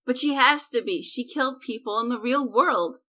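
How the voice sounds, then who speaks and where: A woman's voice: a little high, moderate pace, bright, forceful tone. A woman playing a blunt, commanding young adventurer in an audio drama. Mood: blunt, urgent. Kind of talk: amateur audio drama acting.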